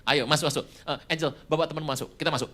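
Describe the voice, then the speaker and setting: A man's voice: on the high side, steady tone, fast, sharp tone. A preacher voicing a welcoming middle-aged mother inviting her daughter's friend to dinner.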